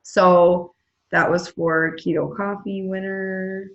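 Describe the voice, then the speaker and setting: A woman's voice: medium pitch, flat delivery, slow pace, lo-fi sound, background noise. A woman leading a team meeting on a video call, chatty and upbeat as she hypes up sales goals and runs prize drawings. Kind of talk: casual enthusiastic pep talk on a video call.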